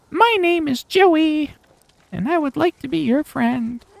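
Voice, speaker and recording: This is a put-on character voice, squeaky and high in pitch. It moves at a fairly slow pace. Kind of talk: friendly, childlike introduction.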